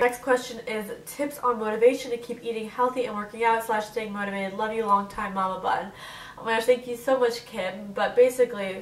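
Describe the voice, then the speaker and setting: A woman's voice: medium pitch, recorded from a distance. Young woman, stuffy nasal voice, chatty vlog talk, roomy echo, faint background hiss. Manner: chatty, full of "like" fillers. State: congested, stuffy nose. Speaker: vlogger. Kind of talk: casual Q&A vlog. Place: bedroom, on her bed.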